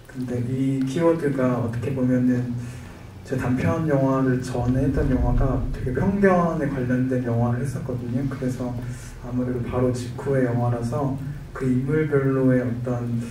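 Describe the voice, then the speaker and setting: A young man from Jeju speaks into a handheld mic on a hall stage, his voice dark and mellow. He explains things slowly and methodically, pausing on fillers. The hall adds a roomy echo and he sounds a little distant. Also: mid-range voice, steady tone, a little hiss or hum. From Jeju, Korea. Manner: measured, explanatory, with many hesitations. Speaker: film director. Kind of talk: press conference answers. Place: large event hall stage, seated.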